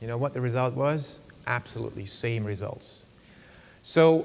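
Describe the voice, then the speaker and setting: A man speaks at medium pitch with a German accent. There is audible room echo. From Germany. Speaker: neuroscientist and foundation science director. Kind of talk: conference talk. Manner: conversational, with fillers.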